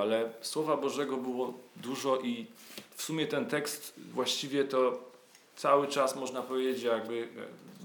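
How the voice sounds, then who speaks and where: A man preaching a sermon in a slow, heartfelt way, pausing with hesitant fillers. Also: mid-range voice, fairly bright tone. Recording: roomy echo.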